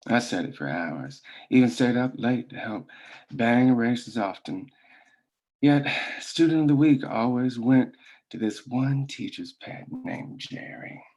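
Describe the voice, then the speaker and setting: An actor playing a patient, self-assured and menacing company owner in a script table read, telling his story in a measured, deliberate way. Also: mid-range voice, animated, a little mellow, poor audio. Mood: smug, deliberate.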